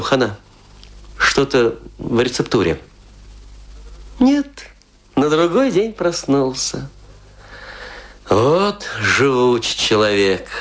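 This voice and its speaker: An actor playing a boastful, scornful provincial tragedian in a radio play, telling his tales theatrically with emphatic, pointed pauses. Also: mid-range voice. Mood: boastful relish. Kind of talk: dramatic radio play monologue.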